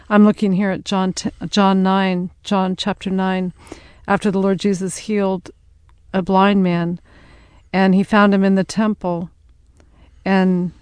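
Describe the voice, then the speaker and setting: Gentle devout American woman. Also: mid-range voice, clean tone, dry recording. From United States. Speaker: speaker's wife. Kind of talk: personal testimony, Bible reading.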